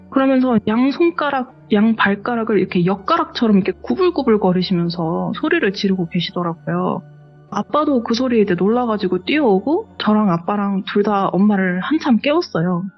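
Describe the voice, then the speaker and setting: A woman with a husky, slightly breathy voice recounts a true ghost story in plain, conversational speech as the guest on a horror radio show. The sound is a little dull and muffled, with faint music underneath. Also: medium pitch. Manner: conversational, matter-of-fact retelling.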